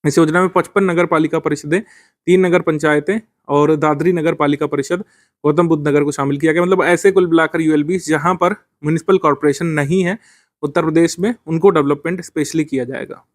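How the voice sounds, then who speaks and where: A man's voice: fairly high pitch, fairly even intonation, brisk, dry recording, clean studio sound. A man teaching current affairs for a civil services exam, explaining step by step with frequent fillers.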